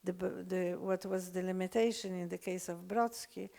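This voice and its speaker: An older woman with a Polish accent, lecturing unscripted, halting often with fillers and restarts. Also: on the low side, steady tone, gravelly, warm tone. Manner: hesitant, many fillers and restarts.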